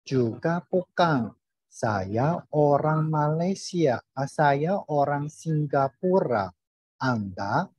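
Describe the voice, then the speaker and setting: Speaking extremely slowly and carefully like a student, a man recites language-drill sentences in a husky, slightly high, animated voice with a darkish tone. The dry recording comes over an online call and sounds dull and muffled.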